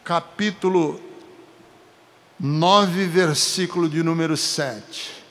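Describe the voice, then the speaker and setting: Brazilian male preacher, high-pitched, slow deliberate sermon delivery, emphatic, long hall reverb. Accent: Brazilian Portuguese. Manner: emphatic, building to forceful peaks, with chatty asides to the congregation.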